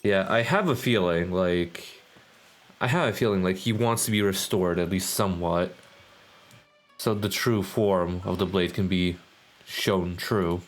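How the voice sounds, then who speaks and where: Male streamer, casual thinking-aloud commentary, lowish voice, faint game music. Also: unhurried.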